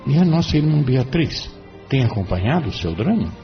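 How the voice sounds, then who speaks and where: A man voicing a calm, kindly spirit mentor who asks measured questions in an audiobook drama. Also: mid-range voice. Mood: inquiring. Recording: dull lo-fi, distant from mic, music behind.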